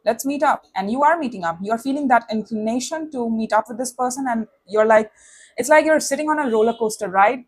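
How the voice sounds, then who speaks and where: A woman's voice: on the high side, a little fast, husky. Lisping woman reading tarot, slushy s sounds. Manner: conversational, checks in with tag questions like "right?" and "yes?". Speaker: tarot reader. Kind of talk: casual spoken tarot reading to viewers.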